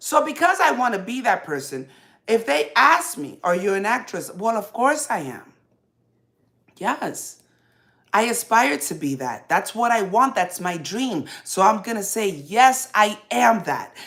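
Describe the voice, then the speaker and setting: A woman talks fairly slowly in an animated tone, with vocal fry. Her pitch swings very widely. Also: fairly high pitch for a woman. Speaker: podcast host and motivational influencer. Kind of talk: live podcast monologue.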